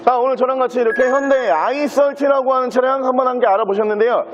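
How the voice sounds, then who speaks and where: Like a practised car salesman, a very high-voiced dealer rattles through a used car walkaround with fluent patter, speaking fast. The audio is dull, with a little hiss or hum.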